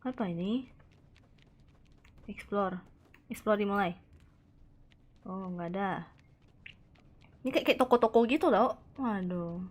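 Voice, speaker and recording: A woman streaming a horror game live, chatting excitedly, reacting aloud and answering her chat, tossing in Japanese words. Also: mid-range voice, takes it slowly, long pauses. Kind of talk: live gameplay commentary.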